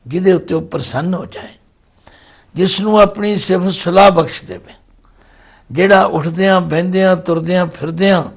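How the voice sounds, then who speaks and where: A middle-aged man giving devotional scripture commentary, chanting verses slowly before explaining them. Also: sits high, vocal fry. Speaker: Sikh scripture expounder.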